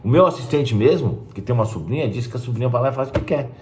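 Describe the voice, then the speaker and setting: A man's voice: mid-range voice, animated, fast talker, a little mellow. Blunt, emphatic man. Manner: blunt and emphatic, with frequent "né?" asides. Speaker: spiritist video host. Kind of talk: casual talk to camera. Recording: roomy echo.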